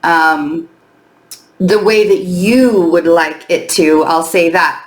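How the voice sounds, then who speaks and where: A woman giving a chatty weekly astrology and tarot update, her voice slightly hoarse as she loses it, with frequent ums. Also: on the low side, roomy sound. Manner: chatty, with many ums and loose restarts.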